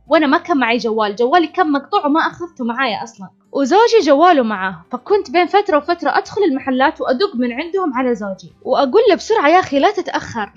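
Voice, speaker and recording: A young woman telling a personal story dramatically, acting out the shouting and crying. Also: high voice. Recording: slightly dull lo-fi with faint music.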